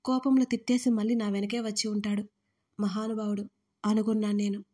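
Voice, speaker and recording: A woman telling an audio story in first person, soft, reflective and emotional. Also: medium pitch, level tone, a little fast. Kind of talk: scripted first-person narration.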